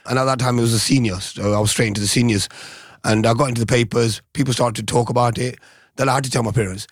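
A middle-aged former boxer answers questions in a soft, halting way, full of ums and restarts. His pitch sits in the middle and the sound is dry and close. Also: fairly even intonation, slightly rough, no echo. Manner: soft-spoken, hesitant, many ums and restarts. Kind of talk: interview, recalling his past.

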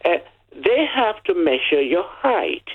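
A man's voice: high-pitched, slow pace, breathy edge. An older man from Nigeria with a Nigerian accent and Yoruba as his first language, telling a story as a caller on a radio phone-in. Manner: storytelling, lively, with restarts. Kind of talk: phone-in chat. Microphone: telephone. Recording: tinny phone line.

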